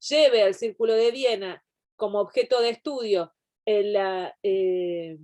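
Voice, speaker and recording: A woman's voice: mid-range voice, unhurried, darkish tone. A woman teaching a university class over a video call, explaining at length with frequent digressions and restarts. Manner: digressive, explanatory, thinks aloud. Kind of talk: online class lecture.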